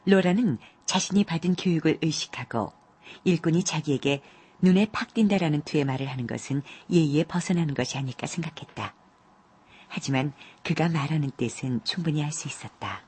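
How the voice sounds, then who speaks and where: A woman narrating a classic story audiobook in a measured, calm way, with a husky voice. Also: low-pitched.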